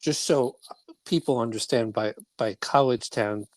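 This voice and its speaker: A podcast host asking questions in a chatty, animated way, often restarting sentences. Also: medium pitch, measured pace, no room sound. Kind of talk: casual interview.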